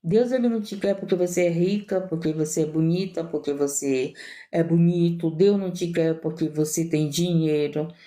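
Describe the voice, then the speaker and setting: A woman's voice: fairly low pitch, fairly even intonation, normal speed, mellow. A woman missionary with a Brazilian Portuguese accent, preaching a fervent sermon full of repetition and direct appeals to her listeners.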